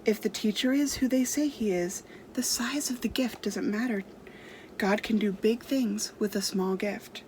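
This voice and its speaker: A woman voicing a gentle, firm mother in a children's storybook, patient and instructive. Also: mid-range voice, a little slow, a little hiss or hum, natural voice, rough recording. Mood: gentle, reassuring.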